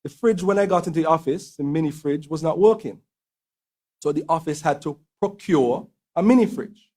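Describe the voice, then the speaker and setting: Man, Caribbean accent, slightly high pitch, deliberate, formal, explanatory government briefing. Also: a little mellow. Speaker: attorney general.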